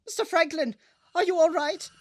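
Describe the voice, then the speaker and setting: A woman's voice: very high-pitched, moderate pace, a little mellow. A woman playing an anxious, polite companion in a horror audio drama, stammering and hesitant. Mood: alarmed.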